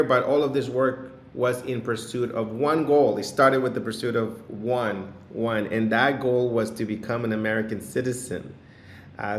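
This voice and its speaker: A man hosting a podcast, introducing and interviewing a guest in an upbeat, emphatic way. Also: mid-range voice. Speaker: podcast host. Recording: roomy sound with faint music.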